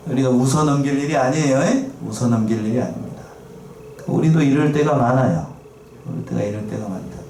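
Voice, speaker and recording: In a church sanctuary, a man preaches a sermon as pastor, reading scripture aloud and asking the congregation questions. His medium-pitched voice is mellow, captured by a distant mic in an echoey church with a little hiss or hum.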